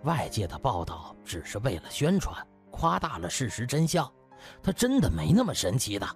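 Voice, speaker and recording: A man's voice: medium pitch, wildly swooping pitch, normal speed, soft background music. A man voicing an effusive, self-assured older hospital director in an audiobook, with exclamatory delivery. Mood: dismissive.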